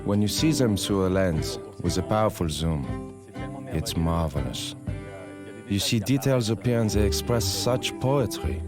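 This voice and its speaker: A man delivers a reflective documentary interview voice-over. His voice is deep, and music is clearly heard underneath. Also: animated, measured pace.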